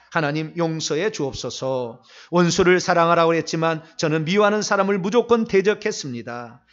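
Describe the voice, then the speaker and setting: A man with a notably high-pitched voice leads a night prayer meeting as the pastor, guiding the congregation through confession. The recording sounds dull and lo-fi, as if captured in a church. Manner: slow confessional prayer, then loud fervent shouted prayer. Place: church sanctuary.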